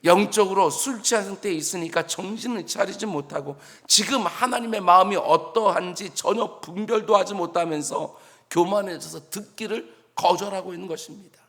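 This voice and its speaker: Pastor guy preaching, pretty high voice, lots of hall echo, really earnest. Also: normal speed, fairly bright tone. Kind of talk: sermon.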